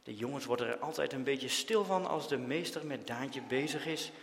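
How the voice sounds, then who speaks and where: A man reading a children's story aloud, with expressive, dramatic storytelling. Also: mid-range voice, normal speed, creaky, big-room sound. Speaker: narrator.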